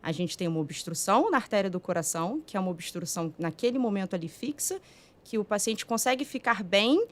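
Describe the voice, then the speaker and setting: A woman cardiologist with a Brazilian Portuguese accent, calmly and methodically explaining heart disease in a podcast studio. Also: medium pitch, brisk. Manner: calm, methodical explaining with frequent "né". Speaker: cardiologist guest. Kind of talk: explanatory medical talk.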